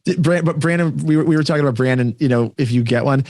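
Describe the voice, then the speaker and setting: Guy cohosting a podcast, talks fast n rambly, super chatty, really dry sound. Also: medium pitch, a little mellow, no room sound. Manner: chatty, rambling, peppers talk with "like" and "dude". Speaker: podcast co-host. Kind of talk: casual chat among friends.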